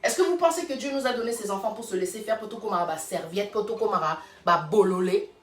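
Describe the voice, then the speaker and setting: A woman's voice: medium pitch, a little fast, faint music behind. Fiery woman. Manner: emphatic, fiery, repeats rhetorical questions. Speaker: vlogger. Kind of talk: casual monologue rant. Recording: roomy sound from a distant mic.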